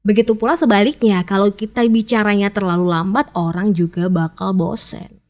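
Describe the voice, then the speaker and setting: A woman's voice: mid-range voice, fairly even intonation, fairly quick, a little mellow. A woman teaching public speaking in a chatty, upbeat podcast lesson, acting out example phrases.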